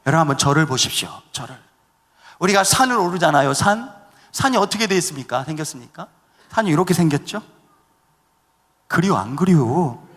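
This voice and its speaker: A man preaching a sermon as pastor, swinging between shouted peaks and hushed drops, and leading his congregation in call-and-response. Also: fairly high pitch, lively intonation, fast, big-room sound. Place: church sanctuary.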